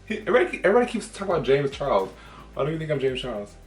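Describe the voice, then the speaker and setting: A man's voice: a little high, sing-song, very fast. A man talks as a sassy, chatty drag queen in a casual vlog. The room echoes around the voice and music plays behind. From Oakland, California. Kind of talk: casual chat with strangers on video chat. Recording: roomy echo with music behind.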